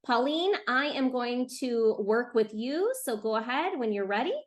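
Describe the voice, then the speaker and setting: High-voiced woman hosting an online event. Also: lively intonation, normal speed. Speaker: book publisher hosting an author event. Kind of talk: addressing classrooms on a live call. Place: live video call.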